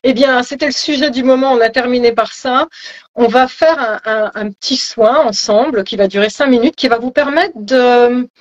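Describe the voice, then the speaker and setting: A woman leading a guided relaxation in a calm, guiding way with soft fillers. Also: on the high side, normal speed, highs cut off. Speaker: spiritual coach leading a ritual.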